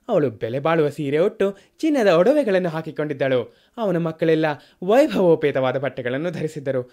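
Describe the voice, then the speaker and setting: A man from India narrating a scripted educational story in an expressive, measured storyteller's delivery. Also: fairly high pitch. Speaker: voice-over narrator.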